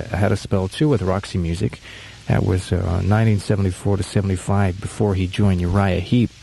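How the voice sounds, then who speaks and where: Low, mellow-dark, husky male radio host. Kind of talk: album-show commentary between records. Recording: slightly muffled archive radio aircheck.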